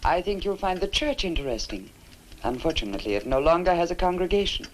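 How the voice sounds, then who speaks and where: An actress playing a sinister woman innkeeper in a 1960s horror film, speaking formally and with measured courtesy. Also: lowish voice, big pitch swings. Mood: knowing, composed. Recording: noisy old film soundtrack.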